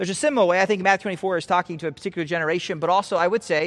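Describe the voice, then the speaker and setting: A man's high-pitched voice. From Nebraska. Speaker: pastor. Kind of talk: sermon.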